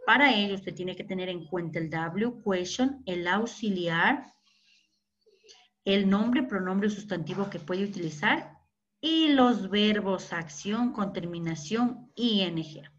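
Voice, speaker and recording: Slow-talking woman teaching English grammar. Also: medium pitch, expressive, fairly bright tone, highs cut off. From Ecuador. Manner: explains slowly, keeps asking ¿verdad? and ¿ya?. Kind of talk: remote grammar lesson.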